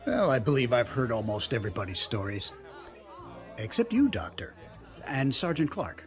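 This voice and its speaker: An actor playing a genteel older senator in an audio drama, courteous, polished and formal. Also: male voice, medium pitch, big pitch swings, normal speed, faint music behind, a faint crowd, natural voice. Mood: politely curious. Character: genteel older male senator, gracious dinner host.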